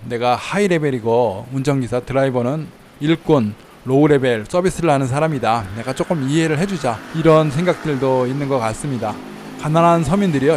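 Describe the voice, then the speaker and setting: A man giving casual travel tips in a chatty way, slowing down to spell out how words sound. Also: mid-range voice, a little mellow, a little hiss or hum. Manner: chatty, slows down to spell out pronunciations. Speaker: travel vlogger in Thailand. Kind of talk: casual explanatory talk. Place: inside a car while driving.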